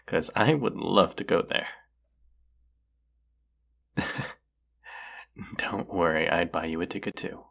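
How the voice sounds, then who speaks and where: A man's voice: low voice, creaky, fairly bright tone, slightly rough, heavily acted. A man acting a young guy with a secret crush on his best friend, chatting playfully and teasingly in an intimate roleplay audio drama, sometimes hesitant. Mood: wry, casual. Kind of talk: intimate roleplay audio drama, casual one-sided chat.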